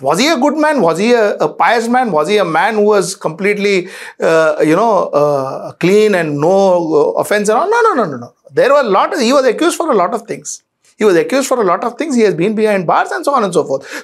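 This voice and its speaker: A man with an Indian accent delivers news commentary in a high voice that swings widely in pitch. He explains things directly to the viewer, hammering points home through repetition and slipping between English and bits of Hindi. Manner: emphatic, repeats phrases, poses rhetorical questions; mixes Hindi phrases into English. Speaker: editorial host.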